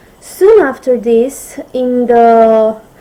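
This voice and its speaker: Using fairly even intonation, a woman with a non-native accent speaks at a high pitch. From Romania, Bucharest. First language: Romanian. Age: 20s. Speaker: vlogger sharing eating disorder story. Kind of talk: personal testimony vlog. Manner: halting, with fillers and repeats.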